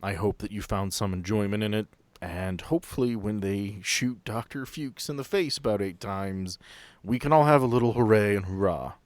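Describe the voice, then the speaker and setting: A man's voice: fairly low pitch, normal speed, no room sound. A man hosting a podcast, apologizing earnestly and then chatting casually with friends about movies. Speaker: podcast storyteller. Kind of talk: casual chat.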